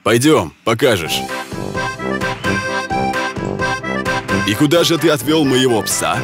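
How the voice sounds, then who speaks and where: A man's voice: medium pitch, sing-song, moderate pace. A man playing a brave, determined hunter hero in a folk-tale cartoon, bold and commanding. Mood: demanding. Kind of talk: animated folk-tale character acting. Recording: loud music behind the voice.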